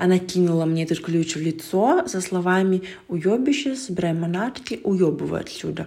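A woman uses an ordinary speaking voice. Her pitch is medium and her pace moderate. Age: 20s. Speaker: listener sharing a story. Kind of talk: personal story.

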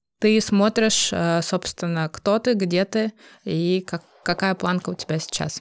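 On a very clean recording with a silent background and a dry, close sound with no echo, a woman speaks very slowly at medium pitch with fairly even intonation. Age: 30s. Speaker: HR director. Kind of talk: casual chat.

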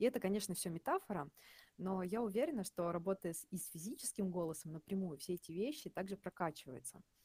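A woman's dark, mellow, somewhat breathy voice at a very fast pace, with lively intonation and a dry, close sound with no echo. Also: medium pitch for a woman. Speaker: podcast host. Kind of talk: interview conversation.

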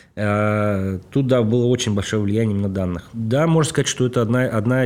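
An unremarkable speaking voice from a man, moderately paced and medium in pitch. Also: hardly any pauses, very even loudness. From Russia, Urals (Nizhny Tagil). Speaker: football analyst. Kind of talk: interview.

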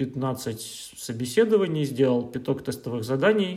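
Speaking at a fairly slow pace, a man uses lively intonation in a fairly high pitch with a dark, mellow tone. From Russia, St Petersburg. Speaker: software developer, former sales manager. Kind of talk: interview. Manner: hesitant, many fillers.

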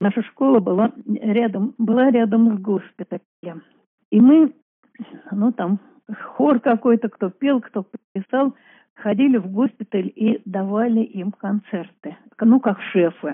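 A woman's fairly high voice with ordinary pitch variation, very slow pace, and long, frequent pauses. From Moscow, Russia. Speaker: war-time childhood eyewitness. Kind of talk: interview reminiscence.

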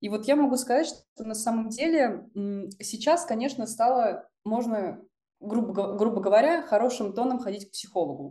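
A woman's fairly high voice in a dark, mellow tone, at a moderate pace with lively intonation. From Moscow region, Russia. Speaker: blogger on mental health. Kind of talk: podcast interview.

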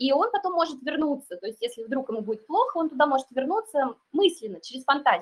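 A woman's high-pitched voice at a very fast pace, with very wide pitch swings and hardly any pauses. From Russia, Nizhny Novgorod. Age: 50s. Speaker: psychologist and business trainer. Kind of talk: podcast interview.

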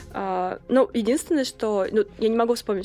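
A woman talks at a very fast pace. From Moscow, Russia.

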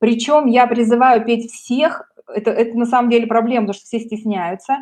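Set against a quiet background, an unremarkable speaking voice moves at a moderate pace. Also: woman. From Russia, Perm. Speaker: singer and music teacher. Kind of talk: interview.

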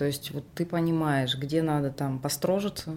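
Her voice is very deep and low, with a dark, mellow tone. The woman speaks at a fairly slow pace with fairly even intonation. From Transnistria. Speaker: stylist. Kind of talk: casual interview chat. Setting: studio.

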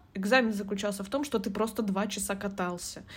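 A woman speaks with a Siberian accent at a fairly quick pace. Her voice is fairly high in pitch and somewhat breathy. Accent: noticeably Siberian. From Siberia, Tomsk. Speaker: podcast co-host. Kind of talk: casual chat.

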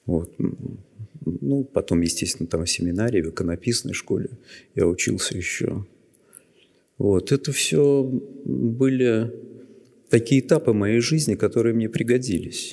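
Very slow speech with lively intonation, a dark, mellow tone and long, frequent pauses. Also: man, medium pitch for a man. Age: 60s. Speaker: Orthodox priest. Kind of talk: interview. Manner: halting.

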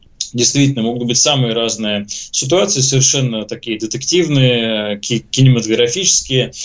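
A man with a medium-pitched voice speaks at a moderate pace in an ordinary speaking voice. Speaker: lawyer. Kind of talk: expert advice on call-in radio show. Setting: remote connection to studio. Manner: formal.

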